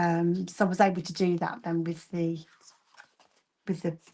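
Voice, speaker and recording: Speaking at a fairly slow pace in a fairly low pitch, a woman with a Birmingham accent keeps a flat, monotone intonation and takes long, frequent pauses. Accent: Brummie. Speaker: craft video host. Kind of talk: casual crafting demonstration chat. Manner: chatty, halting with fillers.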